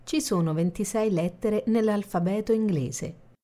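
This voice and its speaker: A woman reading the translation of each line in a recorded language course, calm and measured. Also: medium pitch. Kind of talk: scripted instructional reading.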